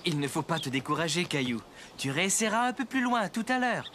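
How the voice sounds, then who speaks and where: Lively, patient cartoon dad. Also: male voice, a little high, a little fast. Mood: encouraging. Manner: gentle, encouraging, explanatory. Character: patient, easygoing father of a small boy. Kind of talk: animated children's cartoon dub. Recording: clear background noise and ambience.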